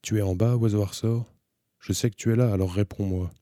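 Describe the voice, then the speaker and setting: A man's voice: deep voice, fairly even intonation, a little fast, warm tone, dry recording, studio quality. A man reading an audiobook, voicing a blunt, teasing teenage girl who fires insistent, needling questions.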